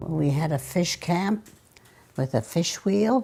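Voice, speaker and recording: A woman's dark, mellow voice moves at a very slow pace. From Alaska, rural Yup'ik village on the Kuskokwim. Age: 80s+. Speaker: retired elder telling her life story. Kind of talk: personal testimony interview. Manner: halting, with frequent fillers and restarts.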